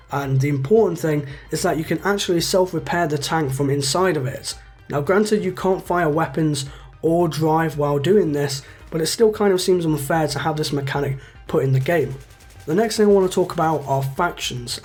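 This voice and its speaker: A man's voice: on the high side, darkish tone, breathy edge. A man giving casual game commentary as a YouTuber, chatty and full of fillers. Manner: chatty, many fillers like "you know" and "like". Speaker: gaming YouTuber.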